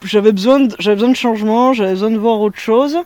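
A woman in her thirties speaks with a Parisian accent in a relaxed interview. She hesitates often, restarts her sentences and fills pauses with fillers. She is recorded outdoors in a garden. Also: fairly high pitch, dry recording. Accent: Parisian French. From France. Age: 30s. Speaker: guest, musher. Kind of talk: casual interview chat. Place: sunny garden in the mountains, outdoors.

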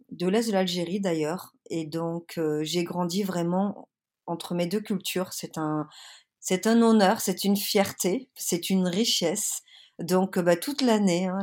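A French woman with a lowish, slightly mellow voice is a guest in a casual interview. She speaks earnestly with many hesitations and is a bit under the weather with a cold.

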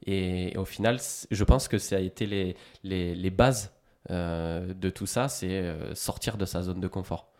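A man in his thirties with a light Toulouse lilt and a somewhat low voice. He tells his story to a podcast host in easy, conversational French-free storytelling, full of small hesitations and restarts. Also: steady tone, measured pace, darkish tone. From central France. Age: 30s. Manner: chatty, many hesitations and restarts. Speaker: podcast guest. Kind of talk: casual interview storytelling.

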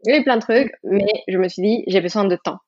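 A woman's voice: medium pitch, quick pace, a little mellow, breathy edge, no room sound, dull audio. A woman from Mexico with a Mexican Spanish accent, a yoga teacher talking as a podcast guest in a thoughtful way, often restarting her sentences. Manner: thoughtful, many restarts and fillers, laughs easily. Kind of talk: podcast interview.

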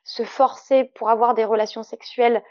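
A woman in a fairly high voice. She explains her points emphatically, in the conversational way of a podcast guest. The sound is close and dry, slightly muffled and lo-fi. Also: flat delivery, normal speed, darkish tone, no room sound. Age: 30s. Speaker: interviewed guest, clinical sexologist.

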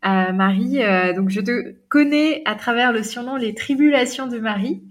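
A woman's voice: fairly high pitch, moderate pace. A woman hosting a podcast interview, upbeat and chatty, with many filler sounds. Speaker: podcast host.

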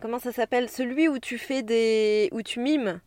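A woman's voice: fairly high pitch, moderate pace, a little mellow, a little hiss or hum. A woman co-hosting a podcast for children, explaining things in casual, conversational speech. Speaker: podcast co-host.

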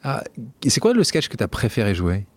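A man's voice: fairly low pitch, wildly swooping pitch, fairly quick, no room sound. A man hosting a radio studio interview, familiar and teasing as he prompts his guest. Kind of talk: casual interview chat.

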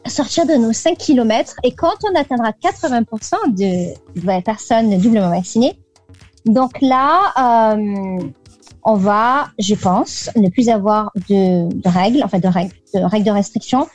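A woman's voice: on the high side, animated, measured pace, darkish tone, faint music behind. A French woman in her thirties chatting as an interview guest, with lots of fillers and restarts. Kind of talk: casual radio interview over a call.

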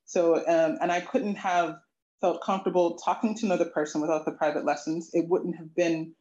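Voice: medium pitch, level tone, a little fast, darkish tone, a little hiss or hum. Earnest interviewee in an echoey room. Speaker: interviewee, language student. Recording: echoey, muffled lo-fi audio.

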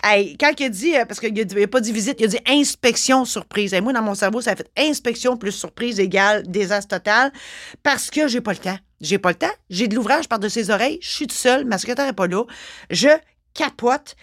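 A woman with a Québécois accent, a notary hosting her own podcast, telling a story casually with lively expression and frequent fillers. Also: fairly high pitch, a little fast, dry recording, studio quality. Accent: Québécois French.

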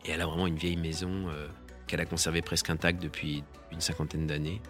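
A man, a photographer, giving a reflective and halting spoken account of one of his photographs, restarting his sentences often. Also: rumbling low, flat delivery, over music. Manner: halting, with many restarts and pauses.

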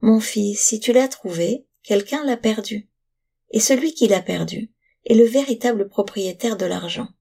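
A wise, patient mother who counsels her son calmly but firmly, voiced by a woman narrating a story. The tone is warm and husky with a gravelly texture. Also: a little high, normal speed. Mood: gently firm. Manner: calm, gently firm.

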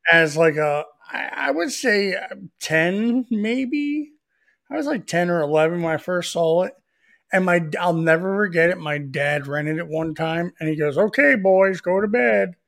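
Loud, profane man in his forties. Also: high voice, expressive, a little slow, gravelly. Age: 40s. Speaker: guest. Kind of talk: casual podcast chat.

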